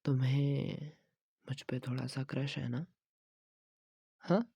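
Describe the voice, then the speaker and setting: Whispered role-play: man as a teasing young gym trainer, husky and slow, soft coaxing delivery. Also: fairly even intonation, no echo, heavily acted. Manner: soft, coaxing, teasing with frequent low laughs; mixes Hindi and English phrases. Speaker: ASMR creator.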